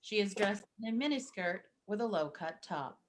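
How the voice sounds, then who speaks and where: A woman's voice: medium pitch, expressive, normal speed. A woman reading a script's scene headings and stage directions as a narrator.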